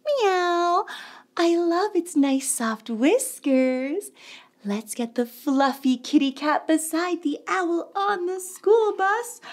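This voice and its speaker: A young woman teaches toddlers in a bright, sing-song manner, stretching every word out very slowly. Her voice sits high and she slips into playful animal sounds as she goes. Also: lively intonation. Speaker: children's show host.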